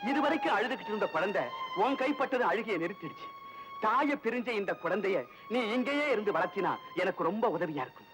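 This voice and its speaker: A middle-aged actor playing a husband in an old film drama, speaking in an earnest, pleading way. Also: male voice, high-pitched, poor audio. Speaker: grieving husband. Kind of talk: 1970s film drama acting. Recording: old film soundtrack with music.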